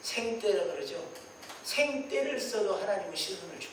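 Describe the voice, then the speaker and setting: A man preaching a Sunday sermon as senior pastor, animated, acting out prayers and God's replies in quoted voices. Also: high voice, normal speed, slight background noise. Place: church sanctuary. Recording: distant mic in a very echoey church hall.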